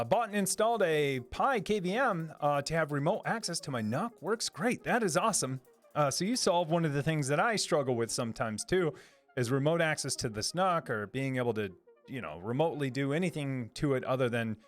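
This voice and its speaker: A man hosting a live stream and answering chat in a rambling, upbeat way, with lots of fillers and restarts. His voice is a little lower than usual today.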